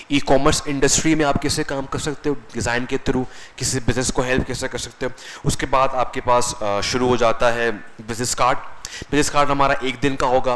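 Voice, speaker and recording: A man's voice: mid-range voice, fairly bright tone, poor audio. A man teaching a classroom lecture as a computer course instructor, conversational, often asking the class questions and answering them himself.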